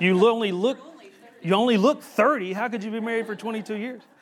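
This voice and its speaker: A man's voice over noticeable background noise. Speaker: Bible teacher. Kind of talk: Bible teaching. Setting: church class with audience. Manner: casual, frequent fillers.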